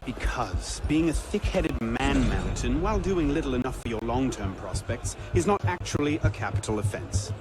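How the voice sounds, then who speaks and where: An actor playing a wry, self-deprecating young rogue hero in a video game, speaking with dry sarcasm. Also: male voice, medium pitch, very animated, moderate pace, few pauses, lightly acted. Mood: dry, sardonic. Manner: dry, sardonic. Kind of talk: game dialogue acting. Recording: loud music behind the voice.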